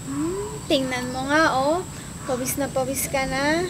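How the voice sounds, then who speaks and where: A woman's voice: high-pitched, a little slow, heavy background noise. A woman acting as a sweet, doting wife in a comedy skit, coaxing and calling her husband darling. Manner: sweet and coaxing, calls him darling constantly. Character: sweet doting young wife, suddenly extra kind. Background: background music.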